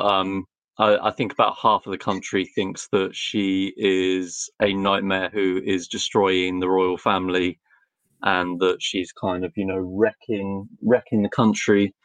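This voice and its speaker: A man from Britain, co-hosting a casual chat from a video call and talking in a relaxed, rambling way. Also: deep voice, no echo. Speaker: co-host.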